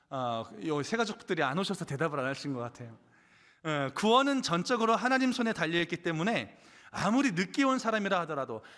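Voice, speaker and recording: A man preaching in a lively, up-and-down voice, full of rhetorical questions and personal stories. His slightly high voice rings out with the long reverb of a church hall. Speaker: pastor. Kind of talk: sermon. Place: church sanctuary.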